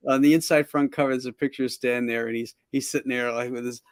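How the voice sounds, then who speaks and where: A man's voice: medium pitch, steady tone, quick pace, clear, resonant tone, no echo, clean studio sound. Chatty man hosting an interview. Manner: chatty, laughs often while telling anecdotes. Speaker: show host. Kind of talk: casual interview chat.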